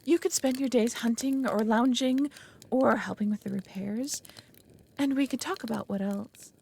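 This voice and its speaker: A woman playing an anxious, possessive dragon in an ASMR roleplay, halting and formal, often dropping into breathy half-whispers. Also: a little high, mellow, a little hiss or hum. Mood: flustered, coy. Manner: halting, earnest, formal wording. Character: anxious, lonely, possessive female dragon, awkwardly smitten. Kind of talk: ASMR roleplay audio drama.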